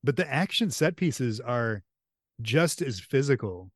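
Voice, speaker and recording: A man's voice: medium pitch, measured pace, no echo, clean studio sound. A man hosting a podcast, chatting casually and eagerly, rambling through his points with enthusiasm. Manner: enthusiastic, rambling, animated retelling. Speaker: podcast host. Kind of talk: casual chat.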